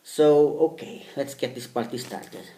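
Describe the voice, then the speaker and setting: A man's voice: medium pitch, unhurried, warm tone, slight background noise. A man whose first language is Portuguese, talking casually to camera in English, hesitant and repeating himself. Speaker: vlogger. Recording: echoey room.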